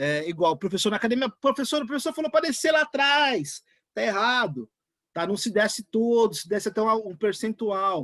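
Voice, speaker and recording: This man's high-pitched voice has a bright, sharp tone and very wide pitch swings at a moderate pace. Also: dry, close sound with no echo, very clean recording, silent background. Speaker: teacher. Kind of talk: lecture.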